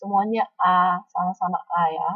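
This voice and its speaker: A woman's voice: fairly low pitch, fairly even intonation, normal speed, no echo, lo-fi sound. A woman teaching a Mandarin lesson online, speaking patiently and often adding a questioning "ya".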